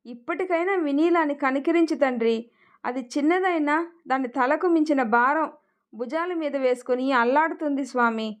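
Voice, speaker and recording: A woman voicing a kindly, worried grandfather in a storybook tale, speaking softly and tenderly. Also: high-pitched, moderate pace, natural voice. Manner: soft, tender and prayerful.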